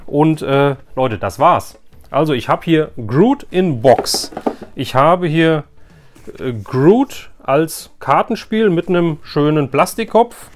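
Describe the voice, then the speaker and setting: A man's voice: a little high, lively intonation, slow, slight background noise. A man doing a casual unboxing commentary for viewers, thinking aloud informally and giving frank opinions. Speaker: YouTube host unboxing products.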